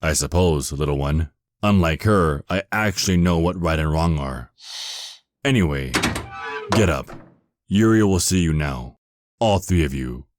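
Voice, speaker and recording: A man's voice: rumbling low, animated, a little slow, pauses often. A man playing a stern, self-righteous archangel in an audio drama, speaking in a cold, commanding, condescending way. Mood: stern, disdainful.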